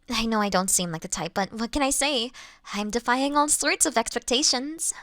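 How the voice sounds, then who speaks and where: A woman's voice: high-pitched, a bit bright, dry recording, studio quality. A woman voicing a kind, playful female vampire who reassures and teases politely in an intimate roleplay audio drama. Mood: chatty, warm. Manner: soothing, polite, teasing, unhurried.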